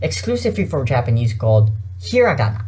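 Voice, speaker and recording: Moderate pace over noticeable background noise. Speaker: anime vlogger. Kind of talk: casual vlog talk.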